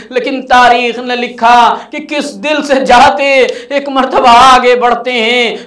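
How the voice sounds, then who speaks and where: High-pitched man lamenting in an echoey sermon. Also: a bit bright. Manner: impassioned, lamenting delivery. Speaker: Shia cleric, guest speaker. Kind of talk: mournful religious sermon narrating Karbala tragedy. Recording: echoey room.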